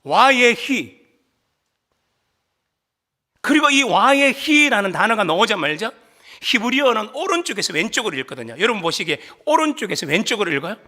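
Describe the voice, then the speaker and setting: A man preaching a sermon as pastor, animated, asking the congregation questions and leading them in reading, at times rising to shouts for emphasis. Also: high voice. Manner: asks the congregation questions and leads group reading.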